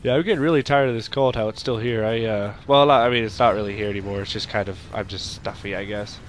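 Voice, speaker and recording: A young man with a stuffy nose from a cold, rambling through casual let's-play commentary and shouting at the game now and then. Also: on the low side, steady tone, quick pace, slight background noise. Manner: rambling, makes sound effects and shouts at the game.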